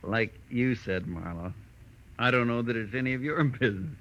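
A man's voice: mid-range voice, moderate pace, fairly bright tone, natural voice. An American man playing a huge, smug underworld tough in a 1940s radio crime drama, with a drawling, mock-friendly, chuckling manner. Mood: amused, taunting. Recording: dull vintage radio recording.

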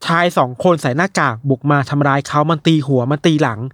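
Brief: young male host, quick storyteller, slightly high voice, dry close sound. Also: no echo. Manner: animated retelling, acts out quoted voices. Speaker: podcast host telling news stories. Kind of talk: casual storytelling chat.

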